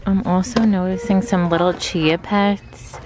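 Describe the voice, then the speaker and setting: This shop-with-me clip features a woman in her thirties wearing a face mask, her voice low, flat and measured. She chats and thinks aloud while browsing shelves in a big store, recorded on a handheld phone amid noisy surroundings.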